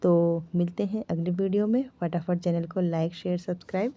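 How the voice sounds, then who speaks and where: A woman teaching beginners to read Hindi, sounding out each syllable slowly and checking with the learners as she goes. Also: fairly low pitch, steady tone, dark tone, dry recording. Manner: drawn-out syllable-by-syllable spelling, frequent "ठीक है" checks; teasing corrections of wrong pronunciations. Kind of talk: slow, patient beginner lesson, sounding out letters.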